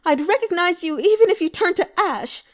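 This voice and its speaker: Woman voicing shrill, furious grieving young woman. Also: expressive, moderate pace. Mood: anguished fury. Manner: shrill, accusing outbursts.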